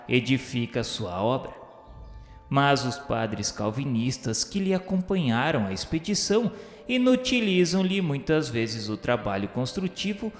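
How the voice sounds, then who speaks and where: A man reads scripted historical narration in a formal, measured, declamatory way, like a solemn radio drama narrator. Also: medium pitch. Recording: reverberant echoey hall sound with music. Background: music.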